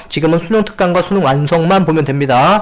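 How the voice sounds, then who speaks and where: Over noticeable background noise, a man talks at a fairly quick pace with a high pitch and ordinary pitch variation. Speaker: Korean language teacher, exam prep instructor. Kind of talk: lecture. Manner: halting, many fillers.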